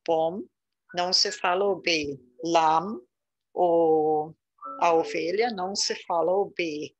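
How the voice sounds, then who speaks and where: A woman's voice: lowish voice, steady tone, lo-fi sound. A woman from southern Brazil with a gaúcho Brazilian Portuguese accent, patiently teaching beginners English pronunciation and repeating each word. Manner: slow, patient, repeats words for learners. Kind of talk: casual beginner English lesson.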